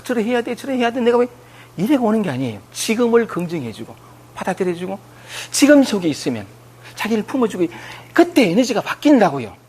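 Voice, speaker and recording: A man with a Gyeongsang accent giving an animated spiritual lecture, speaking straight to his listeners. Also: sits high, breathy edge. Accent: Gyeongsang Korean. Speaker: lecturer on scriptures.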